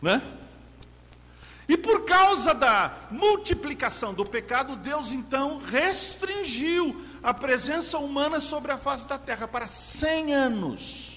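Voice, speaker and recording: A man with an extremely high pitch speaks at a very slow pace in a raised, projected voice with lively intonation. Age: 60s. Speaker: pastor. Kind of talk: sermon.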